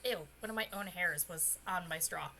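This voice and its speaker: Chatty, bright-voiced young woman streamer. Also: on the low side, normal speed, creaky, a little hiss or hum. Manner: chatty and rambling, with bursts of excited squealing. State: slightly hoarse, voice still recovering. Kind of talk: casual let's-play chat. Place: home streaming setup.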